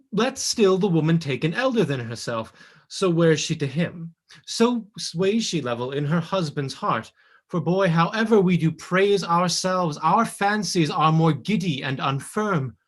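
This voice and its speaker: A lovesick nobleman as an actor plays him muses ardently on love in heightened classical verse. The pitch sits in a middle range, and the delivery is moody and theatrical, heard over a home video call. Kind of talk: classical Shakespearean stage acting.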